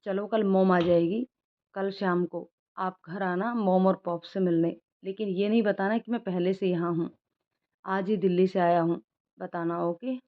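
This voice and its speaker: Reading for a storybook, a woman plays a young doctor who chides her boyfriend with affection, a character both fond and easily upset. Her voice is fairly low, steady and a little slow, close to how she'd normally talk, on a dull lo-fi recording.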